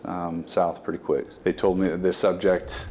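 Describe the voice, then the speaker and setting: Deep, flat-toned policeman. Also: moderate pace. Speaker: police corporal. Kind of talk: measured interview answers. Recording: noticeable background room noise.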